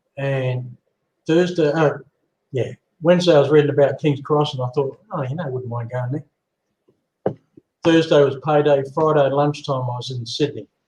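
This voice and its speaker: A man with a New Zealand accent speaks at a moderate pace in a fairly high, somewhat breathy voice, his intonation fairly even, his loudness swinging widely and his speech broken by long, frequent pauses. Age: 60s. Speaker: knifemaker and workshop teacher. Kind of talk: casual chat.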